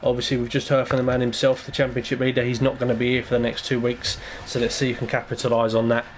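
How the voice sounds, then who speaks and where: A man with a flat, level tone hosts an online racing stream and signs it off. He speaks in an upbeat, thankful way, with faint noise behind him. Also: mid-range voice, quick pace. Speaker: stream host. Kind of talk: stream sign-off.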